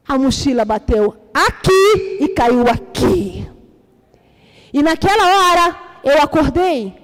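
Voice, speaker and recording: A woman with a Brazilian Portuguese accent preaching a sermon at a church service, emphatic and repetitive, rising to shouts. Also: high voice.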